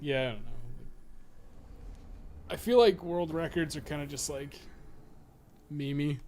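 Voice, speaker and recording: A man's voice: a little high, a little slow, darkish tone. Man muttering through a game stream, noisy background. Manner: rambling, muttering to himself, casual swearing. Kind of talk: casual live gaming commentary, thinking aloud and chatting.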